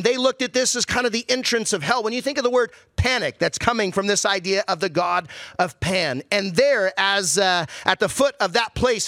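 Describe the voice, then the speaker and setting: A male pastor delivering a sermon with a high, bright voice. He keeps it conversational, poses rhetorical questions, and drops low and slow when he quotes. The sound is close and dry. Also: no room sound.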